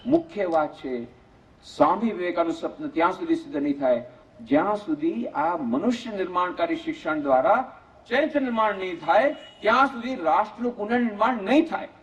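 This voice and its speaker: A man, a monk who heads an ashram, giving an animated storytelling sermon in a community hall. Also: high-pitched, fairly quick. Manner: animated, acts out story voices. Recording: muffled lo-fi lecture recording.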